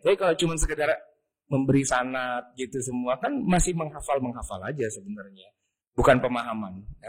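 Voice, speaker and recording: A man's voice: on the high side, husky. A man with an Indonesian accent giving a casual religious study talk, chatty and colloquial, full of rhetorical questions. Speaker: Islamic jurisprudence teacher.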